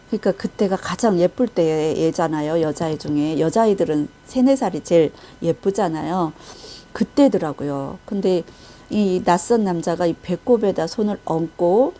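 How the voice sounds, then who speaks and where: Woman preacher, dark mellow tone, testimony sermon, acts out quotes, restarts a lot. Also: fairly low pitch. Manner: retells a vision with acted quotes and frequent restarts. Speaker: Christian intercessory prayer minister.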